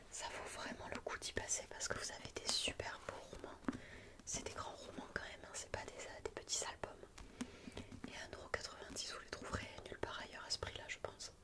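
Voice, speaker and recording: A young adult woman with a French accent, speaking in a hushed, breathy ASMR library whisper close to the microphone. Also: brisk. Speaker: ASMR video host. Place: quiet indoor room. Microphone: close studio mic with furry windscreen.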